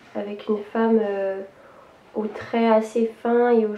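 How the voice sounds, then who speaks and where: A woman's fairly high, monotone voice with flat intonation at a very slow pace, amid noticeable background noise. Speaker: beauty and lifestyle youtuber. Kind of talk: unboxing video. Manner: casual, hesitant with fillers.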